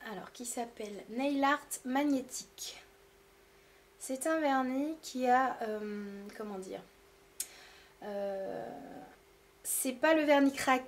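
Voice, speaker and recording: A woman chatting casually to camera about beauty products, hesitant and full of fillers. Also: sits high. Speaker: beauty vlogger. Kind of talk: casual product haul talk.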